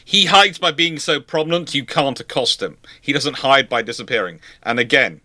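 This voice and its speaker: Bright-voiced, emphatic British man. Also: mid-range voice, moderate pace. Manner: rambling, emphatic, opinionated. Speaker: live stream host. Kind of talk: casual live question-and-answer chat.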